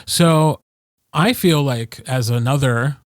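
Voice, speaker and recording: A man's voice: medium pitch, slow, no room sound. Male podcast host, dry close sound. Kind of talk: casual podcast chat.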